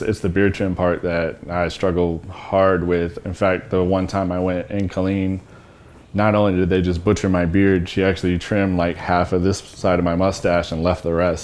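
Very deep flat-sounding guy, matter-of-fact, talking in a barbershop. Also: a little hiss or hum. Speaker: barbershop client. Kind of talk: casual interview answers. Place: barbershop, indoors.

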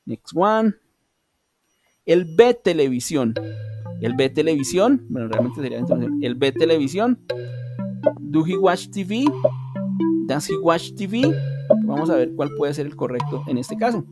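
A man's voice: on the high side, sing-song, moderate pace, over music. A man with a Colombian accent teaching an English class online, explaining step by step and checking in with his students. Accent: Colombian Spanish. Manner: patient, explains step by step, often asks "¿sí?".

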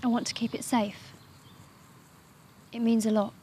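A woman's voice: on the high side, level tone, a little slow, background noise, close to an everyday voice. A young woman playing a troubled, earnest heroine with powers of light in a short fantasy film. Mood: anxious, searching. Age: young adult. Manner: anxious, earnest.

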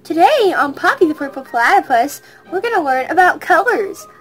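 A woman's voice: very high voice, sing-song, a bit bright, soft background music, exaggerated voice, rough recording. Poppy, a woman voicing a singsong purple platypus. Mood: sweet. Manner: singsong, slow and sweet.

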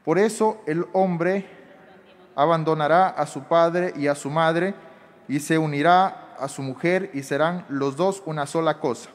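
A young man reads scripture at an outdoor Mass in an even, careful way. His voice sits slightly high. A long reverb from the loudspeakers hangs after each phrase. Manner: steady, careful reading. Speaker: lay reader. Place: outdoor tented stage. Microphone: handheld microphone. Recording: reverberant public address sound.

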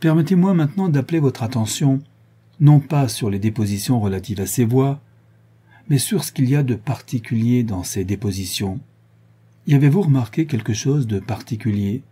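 A man reading an audiobook, voicing a young gentleman detective who lays out his reasoning in a calm, measured, lecturing way. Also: medium pitch, breathy edge. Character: young male gentleman detective, cool and methodical.

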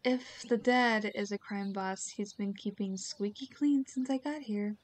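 A woman's voice: mid-range voice, measured pace, natural voice. A woman playing a wry undercover bodyguard in a roleplay audio drama, speaking in a dry, casual, teasing way. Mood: matter-of-fact.

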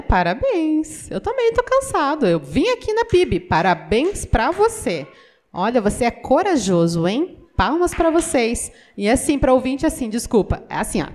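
Lively high-voiced Brazilian woman interpreting a sermon. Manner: animated, many rhetorical questions to the audience; acts out quoted everyday voices. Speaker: voice interpreter for a deaf pastor.

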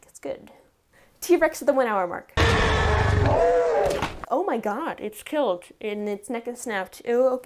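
A woman narrating a film commentary video essay in a wry, sarcastic manner. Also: a little high.

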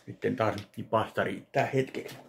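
A man in his thirties from Finland, casually narrating an unboxing of a fan package in his home kitchen, speaking slowly and haltingly to a webcam. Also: lowish voice, steady tone, gravelly, noisy background. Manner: slow, halting, listing items one by one. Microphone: webcam at desk distance.

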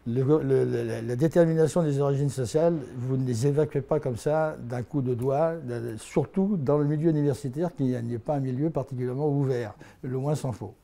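A man in his eighties from the Haut-Morvan in France, an anthropologist, tells his life story in a filmed interview, recorded on a lapel mic in an indoor office lined with bookshelves. His medium-pitched, dark voice has vocal fry and moves briskly with hardly any pauses. He rambles and mocks himself, laughing often and restarting his phrases.

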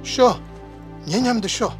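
An actor playing a brisk, hospitable mountain villager in a video game, insistent and given to short repeated phrases. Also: male voice, very high voice, lively intonation, soft background music, heavily acted. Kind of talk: video game cutscene acting.

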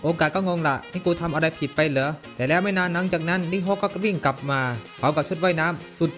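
Male recap narrator: fast, slightly high, casual slangy delivery over faint music. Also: fairly bright tone. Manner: brisk, chatty, slangy asides.

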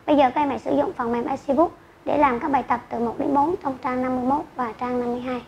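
A woman teacher giving an online math lesson to children, speaking slowly and carefully and reading out numbers digit by digit. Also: sits high, steady tone. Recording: dull lo-fi recording with faint noise.

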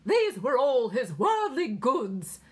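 A woman's voice: high-pitched, sing-song, slow pace, pitched above the performer's own voice, exaggerated voice. A woman voicing a prim English nursemaid reciting nonsense verse in a theatrical singsong, in an English accent. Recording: clear background noise.

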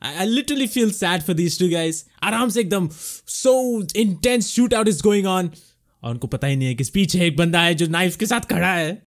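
A man's voice: high voice, rapid-fire. A man in his twenties with an Indian accent, giving casual, exclaiming reaction commentary on game clips into a close desk microphone. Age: 20s. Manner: expressive, exclaiming, often chuckling. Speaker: host of a gaming clip showcase. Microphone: close desktop condenser microphone with headset on.

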